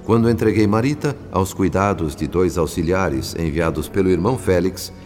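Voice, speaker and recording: Male actor as compassionate spirit narrator: very low, solemn scripted storytelling over faint music. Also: moderate pace, a little mellow, natural voice. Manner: solemn, literary. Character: grave, compassionate male spirit narrator recounting his work.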